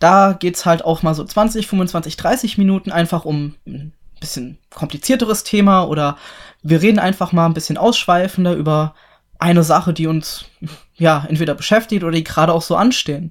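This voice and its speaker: On a very clean recording with a silent background, a man with a high voice speaks at a moderate pace with ordinary pitch variation. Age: 20s. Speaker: podcast host, triathlete and coach. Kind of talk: casual chat.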